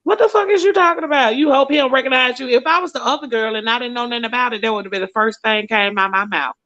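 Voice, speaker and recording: Blunt woman with a bright voice. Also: on the high side, fast. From Mississippi, US. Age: late 30s. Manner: blunt, profane, animated. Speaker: host. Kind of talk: casual talk show commentary. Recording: lo-fi stream audio.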